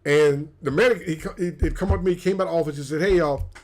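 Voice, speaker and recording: A man's voice: on the high side, fast talker. Rambling man telling stories. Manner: rambling, repeats words while telling war stories. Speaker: co-host. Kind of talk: casual storytelling chat.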